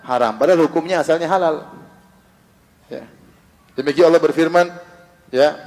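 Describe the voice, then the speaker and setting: A man's voice: fairly high pitch, darkish tone. Male religious teacher, lecture style, recites Arabic verses, reverberant hall recording. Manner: asks the audience rhetorical questions and answers them himself; recites Arabic verses between plain explanations. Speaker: Islamic teacher.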